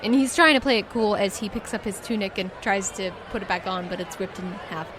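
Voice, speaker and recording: A woman's voice: mid-range voice, brisk, a crowd in the background, noisy background. A woman running a tabletop game, improvising narration in a casual, enthusiastic way. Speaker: game master. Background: music.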